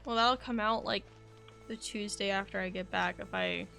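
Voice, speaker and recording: A woman's voice: mid-range voice, moderate pace, pushed and bright. A woman live streamer giving casual commentary on a game and reading its dialogue aloud. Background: game music.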